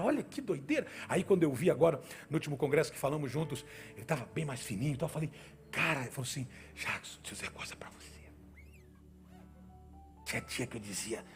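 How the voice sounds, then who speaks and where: A man's voice: fairly high pitch, creaky. A male pastor preaching a sermon at a church service, in a fervent, sing-song style.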